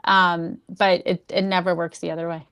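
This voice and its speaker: A woman's voice: fairly low pitch, flat delivery, normal speed, fairly bright tone, clear, resonant tone. Friendly Brazilian-born woman guest. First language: Portuguese. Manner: friendly, laughs easily, explains at length. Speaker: podcast guest. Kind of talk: casual interview chat.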